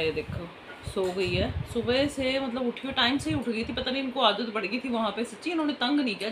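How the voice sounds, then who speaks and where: A woman in her thirties with a sore throat, chatting casually at home in a family vlog. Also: fairly high pitch. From Punjab, India. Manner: chatty, scolding kids in bursts, quiet asides. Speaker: vlogger. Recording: ambient background noise.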